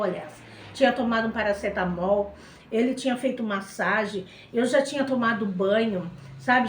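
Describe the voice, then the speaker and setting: Brazilian portuguese accent, middle-aged woman, emotional faith testimony, slightly high voice, echoey room. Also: a little hiss or hum. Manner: emotional, repetitive, keeps turning to the listeners. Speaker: testimony speaker.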